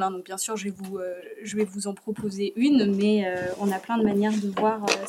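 A woman at a conference lectern walks the audience through her analysis, careful and explanatory. She keeps stopping to hunt for the right word, filling the gaps with soft hesitations. Her pitch sits in an ordinary middle range for a woman. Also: slight background noise. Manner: hesitant, many filler pauses. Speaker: conference presenter. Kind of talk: presenting a lecture with slides.

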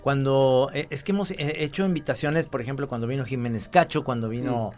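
A man's voice: medium pitch, brisk, darkish tone. A man with a Mexican accent co-hosting a podcast in casual chat, laid-back, often answering with short "ajá" replies. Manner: laid-back, frequent backchannel 'ajá'. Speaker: podcast co-host.

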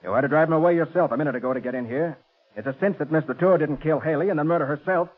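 Fast-talking, commanding radio detective. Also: male voice, a little high, breathy edge. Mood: urgent. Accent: American. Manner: brisk, decisive. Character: quick-thinking, commanding male private detective. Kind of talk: 1940s radio drama acting. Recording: muffled vintage 1940s radio recording.

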